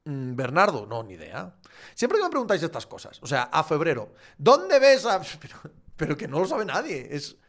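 Casting note: high-pitched Asturian man, sports journalist, animated, swears, answers fans live. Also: normal speed. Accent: Asturian Spanish. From Asturias, Spain. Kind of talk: casual live chat.

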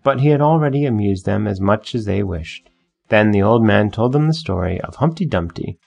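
Gravelly low-voiced male narrator. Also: darkish tone. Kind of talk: scripted fairy-tale narration.

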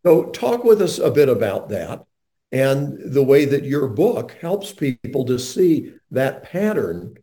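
Earnest older male radio host, mellow tone. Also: medium pitch, slow. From North Carolina, USA. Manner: earnest, animated storyteller.

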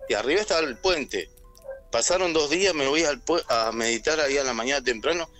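Animated Argentine caller telling a story. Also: male voice, medium pitch, fairly quick, soft background music. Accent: Argentine Spanish. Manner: animated storyteller, acts out quoted voices. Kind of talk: telling a personal story on air.

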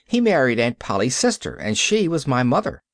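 An eager little girl chatters on in a bright, hopeful rush, as a man raises his voice to play her. Her lines lift higher than the storyteller's own and bounce with lively rises and falls. The sound is dry and close, like a quiet audiobook read. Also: no echo. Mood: earnest. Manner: earnest, hopeful, rushing chatter.

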